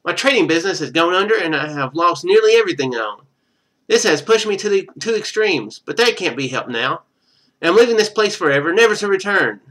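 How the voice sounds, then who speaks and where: Man reading as an earnest trader, lively pitch. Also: brisk, poor audio. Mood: grave, urgent. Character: ruined male trader writing in his journal. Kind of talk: reading a journal aloud in a game.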